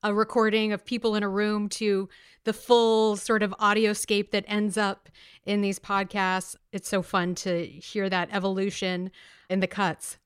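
Smooth-voiced, enthusiastic woman interviewer. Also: mid-range voice, little pitch movement, unhurried. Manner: gushing, enthusiastic. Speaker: podcast host interviewing a guest. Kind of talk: upbeat promotional interview.

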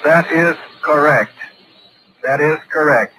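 A man speaking in terse, clipped radio procedure on an old crackly radio transmission recording, pausing with "uh" between phrases. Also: a little high. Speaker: military radio operator. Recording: hissy old radio recording, loud static.

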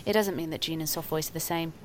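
A woman playing a nervous, eager-to-please young woman who squeals when excited. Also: low voice, quick pace, a little hiss or hum, lightly acted. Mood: defiant.

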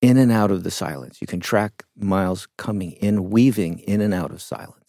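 Middle-aged guy, low gravelly voice, slow reflective storytelling, dry close mic. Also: warm tone, dry recording. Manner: reflective, unhurried, with frequent fillers. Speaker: interview guest, songwriter. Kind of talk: conversational interview storytelling.

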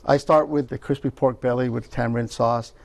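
A man on a restaurant review panel, telling his stories in a relaxed way. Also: mid-range voice, fairly quick, gravelly. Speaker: show panelist.

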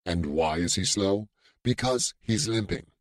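A man's voice: deep voice, lively intonation, unhurried, no echo, clean studio sound, pitched below the performer's own voice. A man voicing a haughty alien surgeon who speaks in a clipped, formal, metallic way. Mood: curt. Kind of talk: audiobook character voice.

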